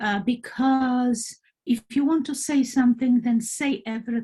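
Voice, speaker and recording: A woman speaks at a high pitch with a non-native accent. Her tone is dark and mellow, her intonation monotone and flat. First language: not English. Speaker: dowsing teacher and healer. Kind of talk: lecture. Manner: halting.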